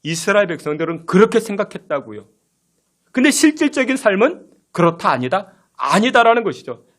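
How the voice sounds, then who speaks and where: A man's voice: high-pitched, big pitch swings, fairly quick, fairly bright tone. A male pastor preaching a sermon, emphatic, posing rhetorical questions and acting out the complaints of his listeners.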